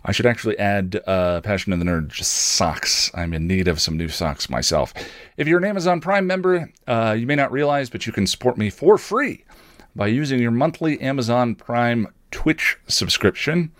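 A man's voice: mid-range voice, animated, normal speed, dry recording. A man hosting a podcast, giving casual, rambling announcements with dry, self-deprecating humour. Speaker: podcast host and streamer.

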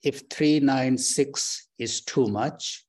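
A man leading a guided breathing meditation, giving slow, calm, soft instructions with long pauses. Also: mid-range voice, husky. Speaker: meditation teacher. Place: temple or meditation hall.

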